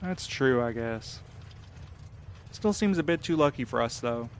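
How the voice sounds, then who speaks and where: A man's voice: mid-range voice, expressive, unhurried, slight background noise. A man playing a weary, protective and dryly sardonic character in a naturalistic audio drama. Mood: weary, worried.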